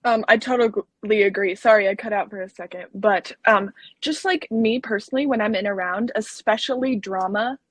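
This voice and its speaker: Young female panelist, raspy, hesitant, close dry audio. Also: mid-range voice, moderate pace, no room sound. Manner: hesitant, many ums. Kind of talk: casual panel discussion.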